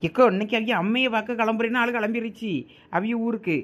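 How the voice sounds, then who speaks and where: A woman playing a quick-talking village housewife. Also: on the high side, fairly even intonation, natural voice. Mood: complaining. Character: village housewife gossiping with neighbour. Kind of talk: village family skit.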